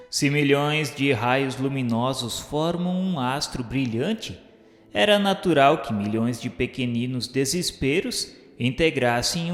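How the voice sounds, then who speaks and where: An actor playing a reverent, earnest spirit pupil who narrates a radio drama in a solemn, declamatory, literary style. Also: male voice, mid-range voice, natural voice. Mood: earnest, preaching. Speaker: narrator character. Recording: echoey, long reverb. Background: music.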